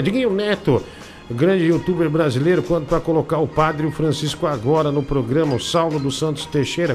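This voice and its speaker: A man hosting a casual comic live stream, mocking pictures and reading viewer messages aloud. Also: on the high side. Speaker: show host.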